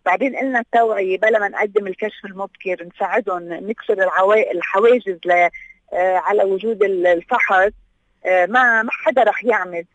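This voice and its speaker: Quick-talking Lebanese woman, dull recording. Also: medium pitch, fairly even intonation, dry recording. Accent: Lebanese Levantine Arabic. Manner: mixes in English words. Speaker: guest, health awareness association representative. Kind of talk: radio interview, explanatory talk.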